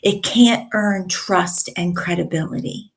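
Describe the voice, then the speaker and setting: Woman communication coach, slightly raspy, unhurried and emphatic, gravelly edge. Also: lowish voice. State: raspy from yelling at a concert. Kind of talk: teaching to camera.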